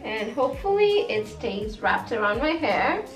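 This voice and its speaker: A woman's voice: fairly high pitch, sing-song, measured pace. A young woman chatting through a hair tutorial vlog, playful and sassy with giggly asides. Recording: echoey room with faint music.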